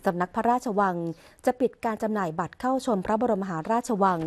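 Speaking in a mid-range voice, a woman news reader delivers the royal court news as a scripted broadcast voice-over, keeping her tone measured, formal and even.

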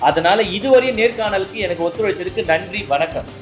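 A man's voice: sits high, brisk, faint music behind. A male TV anchor in a staged comic confrontation outdoors, flustered and exasperated, pleading to be left alone. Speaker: TV anchor, interviewer. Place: outdoors on a road.

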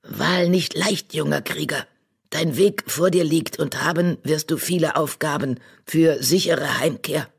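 A narrator voicing Mitternacht, a wise old female badger in an audiobook, who talks slowly with broken word order. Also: medium pitch, gravelly, breathy edge, heavily acted. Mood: solemn.

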